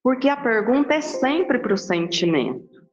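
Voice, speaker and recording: A woman's voice: fairly high pitch, expressive, measured pace, soft background music. A woman from Brazil leading a Sunday spiritist gospel study, talking conversationally and asking herself rhetorical questions. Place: Spiritist center hall. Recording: dull lo-fi sound.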